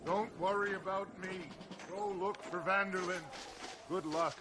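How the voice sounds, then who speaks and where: An actor playing a stoic, dignified Native American guide in a Western video game, speaking in measured, terse phrases. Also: male voice, sits high, fairly even intonation, background noise. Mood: pained, selfless.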